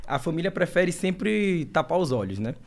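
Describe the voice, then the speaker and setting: A young man from Brazil, a guest in an interview, telling a personal story in an emotional, halting way with many restarts. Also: a little high, sing-song, vocal fry.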